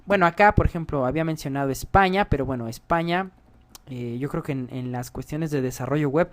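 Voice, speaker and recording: A man gives a screen-recorded programming tutorial. He explains each step in a chatty way and keeps checking in with his viewers. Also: fairly high pitch. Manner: chatty, explains step by step, often asks "¿sale?".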